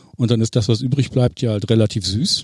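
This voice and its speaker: A man's voice sits at a medium pitch and is somewhat breathy. His pitch varies in an ordinary way. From northern Germany, Osnabrück. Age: 50s. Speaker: software developer, guest. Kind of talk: casual chat. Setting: outdoors in a garden.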